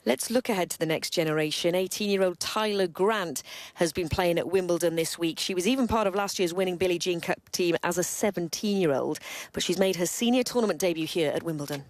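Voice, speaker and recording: A woman's voice: on the low side, a little fast, no room sound. A woman sports presenter, polished and conversational, leading interviews. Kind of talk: broadcast interviewing.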